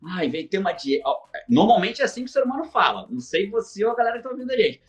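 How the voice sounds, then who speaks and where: A man's voice: very high voice, rapid-fire. A man with a Brazilian accent, a coach telling stories on a live stream, acting out dialogue and swearing casually. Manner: animated storyteller who acts out quoted dialogue and swears casually. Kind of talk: energetic live-stream talk.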